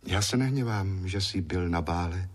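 A man reading the lines of a gentle, reserved young woman in a soft, calm voice. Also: low-pitched, lightly acted.

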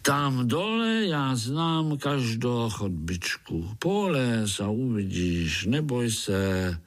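A man doing a slow, kindly dialect mole. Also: mid-range voice, sing-song. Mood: coaxing. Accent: Moravian Hanakian dialect. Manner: slow good-natured drawl. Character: kindly bumbling male mole, dialect-speaking.

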